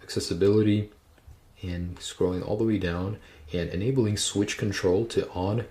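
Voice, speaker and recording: A man's voice: fairly low pitch, steady tone, normal speed, mellow. A man hosting a tech tutorial, walking step by step through phone settings in an instructional manner. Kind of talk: screen-recorded how-to narration.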